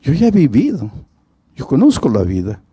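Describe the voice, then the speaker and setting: A man voicing an earnest, mature suitor who speaks seriously and calmly. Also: medium pitch, normal speed, breathy edge, no room sound, exaggerated voice.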